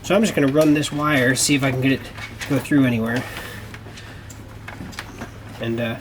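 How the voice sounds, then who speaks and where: A man narrates a practical DIY job over clear background noise in a garage. His voice sits at an average pitch, and he explains each step informally with a folksy turn of phrase, talking while he works. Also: steady tone, moderate pace. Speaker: DIY car tutorial presenter. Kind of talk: casual hands-on how-to narration. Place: garage, working around a vehicle. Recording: clearly noisy garage camera recording.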